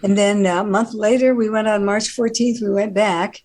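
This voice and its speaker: An older woman tells stories in a chatty, lively way, laughing often as she talks. She speaks as a guest on a radio interview, at an ordinary pitch for a woman. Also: normal speed. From New York. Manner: chatty, animated storyteller who laughs often. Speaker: guest actor.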